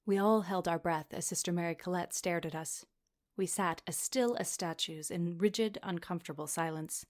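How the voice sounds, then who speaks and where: A woman plays a teenage girl at a Catholic school in an audio drama. Her voice sits a little low. She is serious and guarded, both speaking and narrating in the first person. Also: normal speed, natural voice. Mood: tense, reflective.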